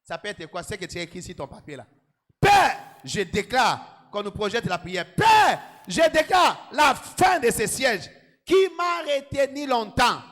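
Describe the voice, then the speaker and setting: Pastor, very high voice, drives the room with repeated shouted commands; echoey church hall. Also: male voice, big pitch swings, a little slow. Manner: repetitive shouted commands and exhortations. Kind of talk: sermon and led prayer.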